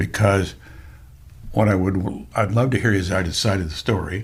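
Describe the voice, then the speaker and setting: In a Pacific Northwest accent, a man talks at a moderate pace in a fairly low, somewhat breathy voice with ordinary pitch variation. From Seattle area. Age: 70s. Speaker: interviewee. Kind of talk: casual chat.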